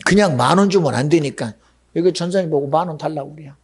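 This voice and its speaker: A pastor delivering a sermon in a lively, conversational way, often asking his congregation questions. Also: fairly high pitch, quick pace, slightly rough. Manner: animated, conversational preaching with rhetorical questions. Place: church sanctuary.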